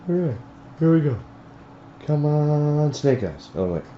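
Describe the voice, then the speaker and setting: A man's voice: on the high side, sing-song, a little slow. A man playing a tabletop game and chatting casually with the group. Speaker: game player. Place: indoor room, group around a game table. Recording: roomy, dull lo-fi live stream with noise.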